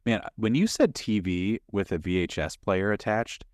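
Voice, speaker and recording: A man's voice: on the low side, lively intonation, moderate pace, no room sound, studio quality. A man in his thirties co-hosting a movie podcast, rambling and laughing as he trails off mid-sentence. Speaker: podcast co-host. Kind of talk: casual chat about movies.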